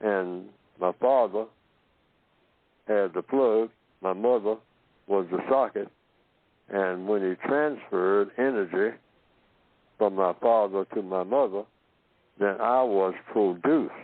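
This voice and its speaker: A man from Oklahoma giving a slow philosophical talk, asking himself questions and answering them, and repeating phrases to build his point. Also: lowish voice, no room sound. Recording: tinny phone-line audio.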